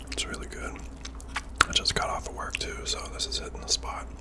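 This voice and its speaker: Whispering and soft-spoken, a man talks at a fairly quick pace over noticeable background noise. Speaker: eating vlogger. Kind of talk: casual vlog chat. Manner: soft whisper while chewing food. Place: home room.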